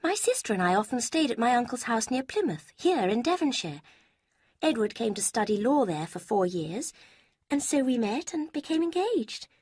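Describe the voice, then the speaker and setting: A woman voicing a sly young woman who gushes secrets in a sweet, breathy way, with a husky tone. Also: on the high side, sing-song, moderate pace, darkish tone, dry recording, studio quality, pitched above the performer's own voice. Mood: confiding.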